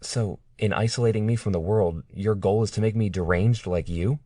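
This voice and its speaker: A man's voice: on the low side, normal speed, dark tone, no echo, studio quality, voice pushed up, close to an everyday voice. A man voicing a defiant, frightened young captive woman in an audiobook, speaking in an earnest, pleading way. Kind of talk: audiobook character reading.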